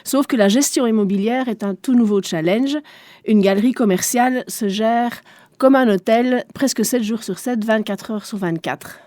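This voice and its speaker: A woman in her forties, a native German speaker from eastern Belgium, answers radio interview questions as a shopping centre director. Her voice is a little high and slightly mellow, at normal speed, with no room sound. She stays composed and businesslike, explaining with figures.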